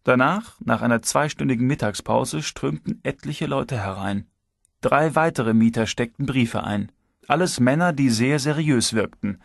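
Male audiobook narrator, even first-person read, mid-pitched, close and dry. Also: a little slow, gravelly, no echo.

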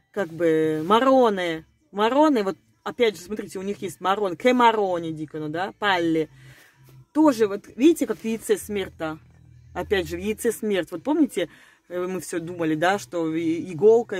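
A woman thinks aloud to her viewers in a loose, conspiratorial monologue, often breaking off mid-word and repeating herself as she turns words over. Her voice sits at a middle pitch. The recording is dry and close, with no room echo. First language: Russian. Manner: rambling, hesitant, breaks off words and repeats them. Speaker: video blogger. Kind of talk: casual speculative monologue to viewers.

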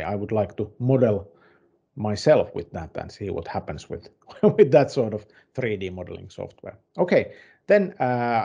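A middle-aged man presenting news semi-casually, in a halting, measured way. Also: on the low side, vocal fry, mellow, muffled recording.

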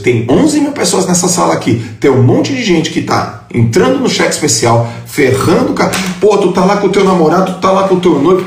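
A man's voice: on the high side, gravelly. Blunt, fired-up man in an echoey room. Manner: blunt, profane, emphatic, confrontational. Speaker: motivational speaker. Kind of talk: live motivational talk. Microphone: live stream.

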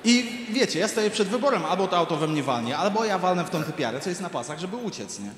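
A man's voice: high-pitched, quick pace. Guy doing standup on a big arena stage, voice jumps all over, swears a lot, big echoey hall with crowd noise. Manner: animated, profane, acts out quoted people. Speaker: stand-up comedian. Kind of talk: stand-up storytelling. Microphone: handheld stage mic. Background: audience laughter.

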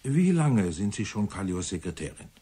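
A seasoned police commissioner in a radio drama. His voice is very low and husky. He questions with businesslike, measured authority, yet stays considerate. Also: very animated, dark tone. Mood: brisk questioning. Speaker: actor playing a police commissioner. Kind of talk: German radio play acting.

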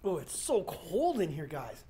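A middle-aged man casually talking viewers through an abandoned school as he walks, calling them guys in low-key asides, on a handheld camera mic. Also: wildly swooping pitch, measured pace, dark tone, a little hiss or hum. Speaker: urban explorer vlogger. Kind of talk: casual walkthrough commentary. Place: empty abandoned school, large indoor halls and rooms.

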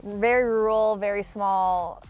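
A young Canadian woman speaks as a student athlete in a relaxed interview. Her pitch is middling for a woman and her phrasing is informal and slangy. She is recorded outdoors on a sports field. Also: unhurried, clean tone, faint music behind. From small town in Ontario, Canada. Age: young adult. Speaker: university athlete being interviewed. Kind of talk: casual interview chat.

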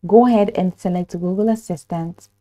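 A woman narrating a step-by-step software tutorial in an instructional manner, hesitant in places. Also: fairly low pitch, normal speed. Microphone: voice-over for screen recording.

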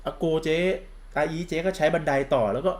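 A man's voice: a little high, fairly quick. Campy, sarcastic man ranting about football. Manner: sarcastic, mocking and crude-mouthed; campy, calls himself big sister. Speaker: football vlogger. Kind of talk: casual football commentary rant.

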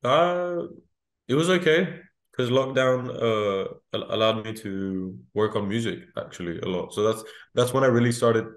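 Teen guy on an echoey video call. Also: medium pitch. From Greece. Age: teens. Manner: animated, quick, full of restarts and laughter. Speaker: guest singer. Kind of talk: casual video-call interview. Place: small room indoors.

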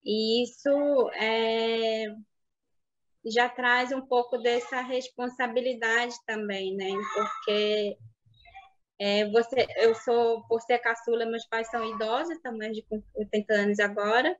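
A woman in her thirties whose first language is Baniwa, telling her life story in an interview, reflective and halting, over a video call. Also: fairly high pitch, fairly even intonation. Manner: reflective, halting with restarts and soft fillers. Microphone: webcam on video call. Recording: dull lo-fi video call audio.

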